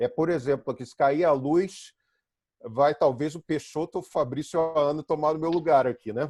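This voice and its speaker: With an unremarkable speaking voice, this man talks at a moderate pace and a fairly high pitch. His intonation is fairly even, with big swings in loudness. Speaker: webinar moderator, chamber of commerce president. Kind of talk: webinar opening remarks.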